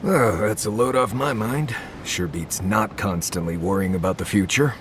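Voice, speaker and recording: A man's voice: lowish voice, moderate pace, slight background noise, close to an everyday voice. An actor playing a sardonic male adventuring companion with a dry, wry delivery. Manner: deadpan sarcasm, wry. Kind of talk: video game character dialogue.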